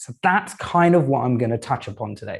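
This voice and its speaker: An enthusiastic, somewhat breathy man's voice at a medium pitch. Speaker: osteopath and yoga lecturer. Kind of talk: online lecture. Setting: video call. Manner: tends to speak fast.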